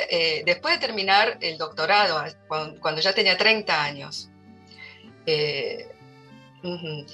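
A middle-aged woman with an Argentine Spanish accent, speaking in a mid-range, bright and forceful voice, answers interview questions as a literary translator at a public talk. She is hesitant, with many fillers and restarts.

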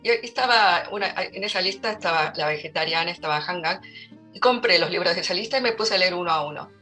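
Her voice is lowish and sharp, and she talks fast while faint music plays behind her. A middle-aged Argentine-accented woman, she's a literary translator fielding interview questions at a public talk, hesitating often with fillers and restarts.

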